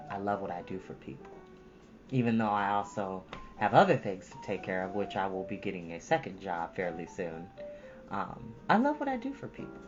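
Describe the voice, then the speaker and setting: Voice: medium pitch, muffled recording. A storytime host speaking to children, moving between earnest, preachy casual asides and storybook reading, repeating points for emphasis.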